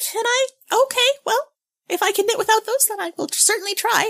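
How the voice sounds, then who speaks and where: A woman puts on a character voice that is squeaky and extremely high-pitched. She speaks at a fairly quick pace. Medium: actual play. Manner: polite, meek.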